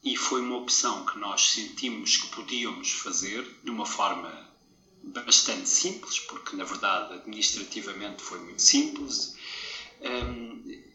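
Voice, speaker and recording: A middle-aged man from Portugal giving measured, reflective interview answers with some hesitation. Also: fairly low pitch, bright, forceful tone, highs cut off. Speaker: interviewee, conductor living abroad. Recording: echoey room with faint background noise.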